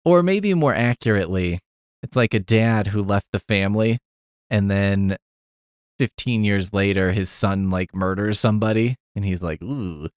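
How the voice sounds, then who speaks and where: Wry, low-voiced man, dry sound. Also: normal speed, clear, resonant tone, dry recording. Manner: animated, sarcastic storytelling with swearing; rambling, heavy on fillers and asides. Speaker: podcast host. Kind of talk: casual podcast chat.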